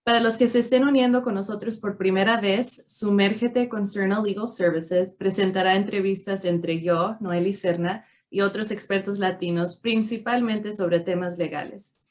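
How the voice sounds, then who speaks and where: Woman host, formal, measured delivery, interview, average pitch. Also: steady tone. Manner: formal, carefully scripted opening. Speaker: host and lawyer. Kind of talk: interview hosting. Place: online video interview.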